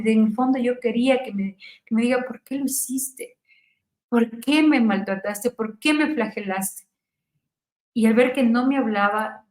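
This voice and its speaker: A middle-aged woman from Ecuador giving an emotional personal testimony, fervent, her voice rising to near-shouts and falling to soft murmurs. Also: medium pitch, reverberant, low-quality recording.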